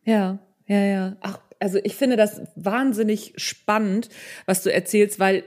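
A woman's voice: mid-range voice, fairly even intonation, a little slow, darkish tone. Female podcast host, mid-range voice, conversational and engaged, informal delivery. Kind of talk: casual interview chat.

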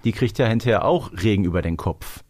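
A man's voice: lowish voice, animated, fairly quick, darkish tone, dry recording, studio quality. A man co-hosting a podcast in casual conversation. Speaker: podcast co-host. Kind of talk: casual fan discussion podcast.

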